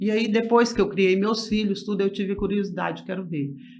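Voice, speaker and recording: Against noticeable background noise, a woman speaks with fairly even intonation. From Brazil, Goiás (Rio Verde, Goiânia). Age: 60s. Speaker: podcast guest. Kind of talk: personal testimony in interview. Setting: studio.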